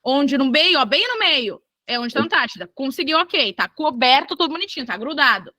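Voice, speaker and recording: A woman from Brazil teaching an exam-prep geography class, lively and checking in with her students often. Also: high voice, brisk, no echo.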